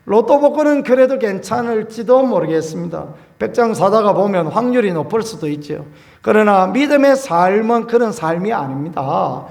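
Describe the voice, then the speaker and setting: A man, a pastor, preaching a Sunday sermon in a homely, colloquial way, telling stories and acting out scenes with sudden loud bursts. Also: high voice, expressive, moderate pace, vocal fry.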